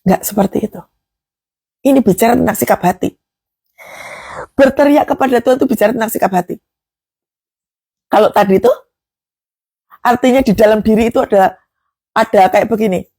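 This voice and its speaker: Lady preacher, husky voice, dry close sound, asks the church lots of questions. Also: on the high side, a little fast, pauses often, no room sound. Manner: emphatic, rhetorical questions, shouts out acted prayers. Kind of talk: livestreamed devotional sermon.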